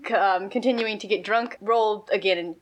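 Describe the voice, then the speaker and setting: A woman's voice: medium pitch, steady tone, moderate pace, low-quality recording. A woman acting as game master, narrating a tabletop game in a casual, conversational way.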